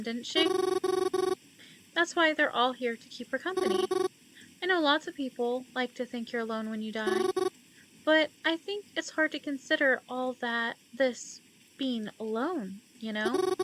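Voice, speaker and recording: Woman reader as a gentle young woman consoling a mourner, high voice, loud background noise. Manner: soft, consoling. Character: calm young woman who attends funerals.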